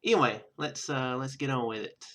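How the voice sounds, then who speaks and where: A man giving casual gameplay commentary in a halting, rambling, self-deprecating way. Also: medium pitch, fairly bright tone. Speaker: let's player. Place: indoor room at home.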